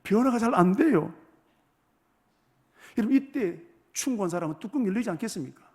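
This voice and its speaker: A male pastor preaching a sermon in a church. He keeps asking the congregation questions and swings between hushed words and forceful ones. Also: sits high, animated, brisk. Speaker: senior pastor. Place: church sanctuary.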